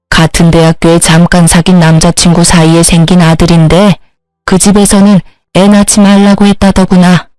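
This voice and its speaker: A woman's voice: on the low side, darkish tone, clean tone, dry recording, lightly acted, poor audio. A woman reading as a bossy older mother-in-law. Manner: commanding, scolding.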